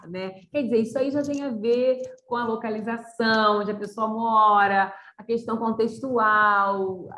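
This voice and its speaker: A woman's voice: fairly high pitch, fairly bright tone. A woman teacher leading an online class discussion in a chatty, encouraging way, with many fillers. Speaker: university teacher. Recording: echoey room with faint noise.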